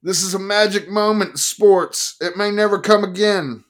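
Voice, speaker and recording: A man's voice: high-pitched, normal speed, pitched above the performer's own voice, lightly acted. A man voicing a pompous, drunken male magazine reporter. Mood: grandiose.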